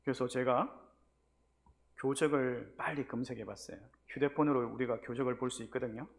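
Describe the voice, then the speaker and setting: A man's voice: medium pitch, steady tone, fairly quick, vocal fry. A middle-aged male pastor giving a sermon, telling a personal story and acting out the voices in it. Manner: storytelling, acting out his own scolding voice.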